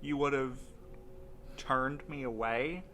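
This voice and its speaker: An actor playing a stubborn, devoted courier in an audio drama, insistent and questioning. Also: male voice, mid-range voice, slow pace, a bit bright, faint music behind. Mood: confused, hurt. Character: stubborn, devoted young courier desperate to keep his loved one.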